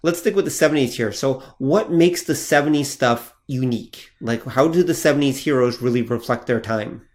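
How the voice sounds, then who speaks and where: A man's voice: medium pitch, normal speed, hardly any pauses. A man co-hosting a podcast, explaining history in a casual way and steering the talk with asides. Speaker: podcast co-host.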